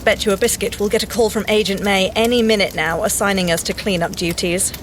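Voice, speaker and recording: An actress playing a brisk, cheerful, sensible young female secret agent scientist with a British accent and a dry, precise, teasing manner in an audio drama. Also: medium pitch, steady tone, fairly bright tone, slight background noise, close to an everyday voice. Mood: dry, observant. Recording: music under the voice.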